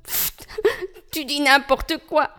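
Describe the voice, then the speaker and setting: A woman as a scoffing, high-pitched small child. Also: fairly even intonation, slow, bright, forceful tone, full character voice. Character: cheeky, nitpicking small child who keeps interrupting. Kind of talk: acted comic radio dialogue.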